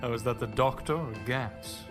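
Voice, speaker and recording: An actor playing an insolent, sarcastic conspirator in an audio drama, with a wry manner. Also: male voice, medium pitch, normal speed, over music, lightly acted. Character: sardonic, insolent male conspirator.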